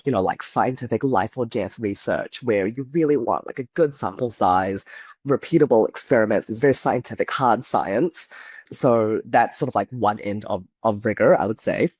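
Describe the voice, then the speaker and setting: A man with a New Zealand accent, a podcast guest calmly explaining his views as a UX researcher. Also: medium pitch, breathy edge, no room sound. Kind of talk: podcast interview.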